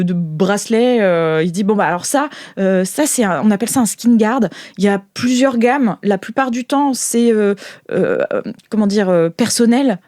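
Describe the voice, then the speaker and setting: A woman narrating a tabletop role-playing game as game master, halting and thinking aloud as she improvises. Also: medium pitch, warm tone, no room sound, studio quality.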